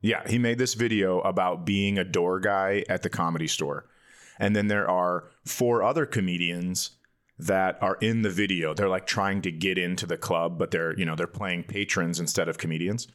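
A man's voice: deep voice, fairly even intonation, moderate pace, a bit bright. A man co-hosting a comedy podcast, chatting casually and joking at his own expense. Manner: joking, self-deprecating. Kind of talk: casual comic banter.

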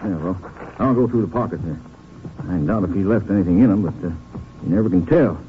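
An actor playing a plain-spoken, suspicious small-town sheriff in a 1950s radio western. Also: male voice, sits low, a little fast, lightly acted. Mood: puzzled, musing. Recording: tinny, noisy old radio broadcast.

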